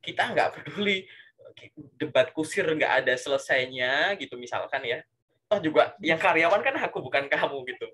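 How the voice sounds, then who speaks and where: A man giving casual career coaching, animated and full of rhetorical questions and filler tags. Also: fairly high pitch, moderate pace, slightly rough.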